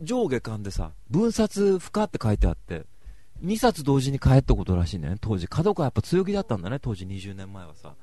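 A man's voice: medium pitch, warm tone, no room sound. A man giving a casual, rambling book review, wry and self-mocking.

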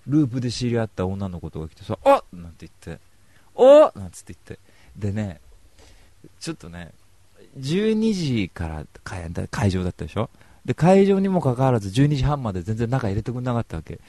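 A young male radio host talks quickly and chattily, his pitch swooping up and down as he jokes through a story. The sound is dry and close, with no room around it. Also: no echo. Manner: animated, joking storyteller. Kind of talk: casual radio talk.

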